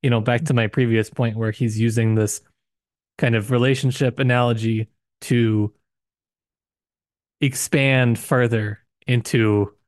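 A man co-hosting a casual book discussion podcast, hesitant and searching for words, with frequent restarts and sudden rises in pitch. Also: dry recording, clean studio sound. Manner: hesitant, many restarts and hedges, animated pitch jumps. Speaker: podcast co-host discussing a novel.

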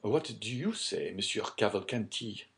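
A man's voice: fairly low pitch, animated, measured pace, fairly bright tone. Man as an unimpressed, drawling banker. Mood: skeptical.

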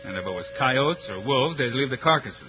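An actor playing a calm, heroic frontier marshal who speaks firmly and commandingly, in 1940s radio acting style. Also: male voice, mid-range voice, music in the background, lightly acted. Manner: firm, commanding, brisk. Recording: dull hissy old radio broadcast.

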